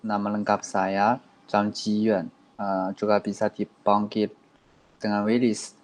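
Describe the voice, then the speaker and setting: A man of twenty-three from China, a native Mandarin speaker with a Chinese accent, haltingly introducing himself. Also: on the low side, level tone, low-quality recording. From Shandong, China.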